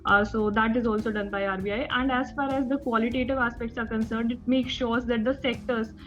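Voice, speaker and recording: A woman's voice: on the high side, fairly even intonation, a little fast, fairly bright tone. A young woman with an Indian accent answering as a candidate in a formal interview, nervous, hesitant and deferential. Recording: dull band-limited audio with background music.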